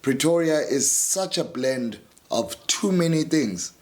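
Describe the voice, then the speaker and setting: A man with a South African accent, a radio host and producer, telling stories in a casual interview at his house, laid-back and animated. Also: a little high, slow. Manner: animated storyteller, acts out quotes, laid-back.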